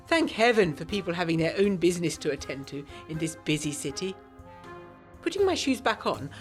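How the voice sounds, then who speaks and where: A woman playing a prim, resolute young woman, narrating a period audio drama in the first person with formal diction and wry asides. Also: low voice. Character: prim, secretive, resolute young woman telling her gothic tale.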